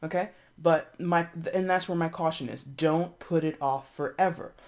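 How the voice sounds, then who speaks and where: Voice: medium pitch, moderate pace. Stuffed-up tarot reader, thirties, chatty and blunt, swears a bit, says stuff like go go go. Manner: blunt and chatty, swears, repeats words for emphasis. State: congested, sniffling. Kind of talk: casual tarot reading.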